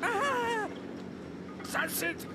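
A man's voice: very high voice, lively intonation, extremely slow, very noisy, heavily acted. A man voicing a haughty, irritable, blustering champion skier in a children's cartoon. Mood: furious. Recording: loud music behind the voice.

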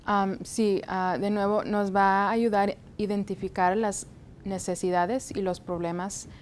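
A young woman from the United States, a health department guest in a studio interview, speaking in a measured way with many hesitation fillers, on a lapel mic. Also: medium pitch, little pitch movement, darkish tone, slight background noise. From United States (Texas, raised in Florida). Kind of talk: interview answers. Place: TV studio set.

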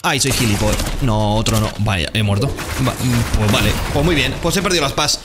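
Fast-talking young Spanish gamer. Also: male voice, medium pitch, background noise. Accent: Spain Spanish. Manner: excitable, swings from muttering to shouting. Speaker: gaming streamer. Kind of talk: live gameplay commentary.

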